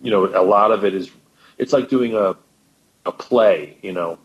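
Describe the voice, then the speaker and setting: A man's voice: on the low side, normal speed, lo-fi sound. A man, a professional musician guest, chatting with enthusiasm and often repeating words as he thinks. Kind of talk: casual chat.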